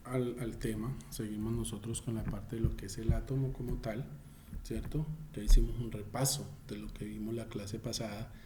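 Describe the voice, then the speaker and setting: A man's voice: on the low side, background noise. A man teaching an online class over a video call, repeating and restating his points and calling on students by name.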